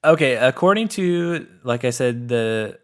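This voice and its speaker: A man's voice: mid-range voice, animated, a little slow. A man co-hosting a podcast in casual chat, talkative and full of filler words. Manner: chatty, heavy filler words. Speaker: podcast co-host.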